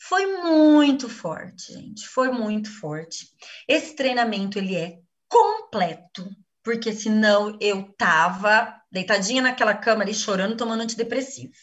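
A woman's voice: a little high, big pitch swings, unhurried, recorded from a distance. A Brazilian woman giving an earnest personal testimony in a live class, acting out the things she once said. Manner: earnest, acts out her own quoted speech.

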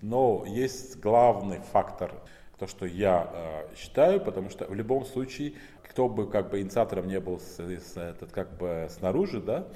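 A man with a notably low, mellow voice and a Central Asian Tajik accent. He talks informally as an interviewee, explaining haltingly with frequent fillers and repeats. Long reverb hangs around his words. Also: animated. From northern Tajikistan. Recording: roomy hall with long reverb.

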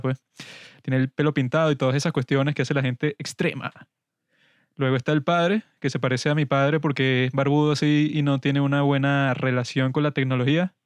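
Male podcast host: smooth, dry close-mic voice, wry deadpan film chat. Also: medium pitch, dry recording. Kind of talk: casual film review chat.

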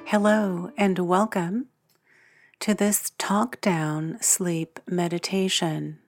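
A woman with a slightly low voice leads a guided sleep meditation. She speaks very slowly and soothingly, leaving long pauses between hushed phrases. Gentle guitar and piano music plays clearly underneath. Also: steady tone. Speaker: meditation guide, podcast host. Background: soft guitar and piano music.

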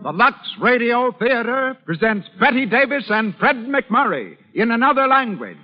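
Animated old-time radio announcer man. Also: very high voice, normal speed. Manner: formal, declamatory. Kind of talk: old-time 1930s radio announcer, formal scripted sponsor and cast introductions. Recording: muffled 1930s radio broadcast, music behind. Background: music.

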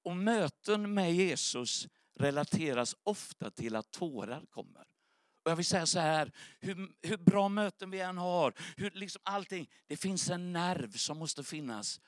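A man's voice: high voice, expressive, no echo, studio quality. A man preaching a sermon, telling an earnest, emotional story as testimony.

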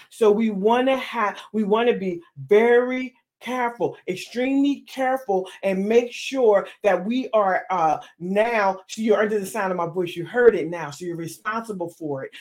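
Emphatic woman preaching on a podcast. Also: fairly high pitch. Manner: emphatic, repeats phrases, swings from loud to hushed. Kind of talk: preaching to listeners.

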